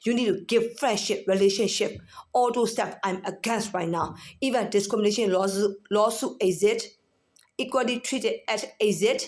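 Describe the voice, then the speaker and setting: A woman with a non-native accent at a moderate pace, fairly high in pitch, with fairly even intonation. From Myanmar. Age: 40s. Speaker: vlogger. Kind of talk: personal monologue. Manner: halting.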